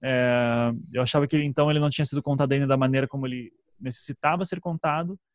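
The halting, thoughtful guest on a storytelling podcast, a man from southern Brazil with a Paraná accent, recorded close in a dry space. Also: mid-range voice, steady tone, dry recording. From Curitiba, southern Brazil. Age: 30s. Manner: halting, self-interrupting, frequent "né" tags. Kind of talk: conversational interview, reflective storytelling.

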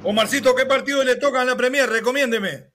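A man's voice: extremely high pitch, quick pace, sharp tone. A man with a Uruguayan accent hosting casual sports talk on the radio, conversational and familiar with his colleagues.

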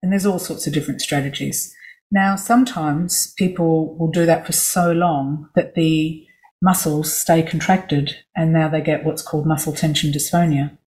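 A woman vocal coach guest on a podcast interview, explaining at a measured pace with many asides. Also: low voice, steady tone, darkish tone, low-quality recording.

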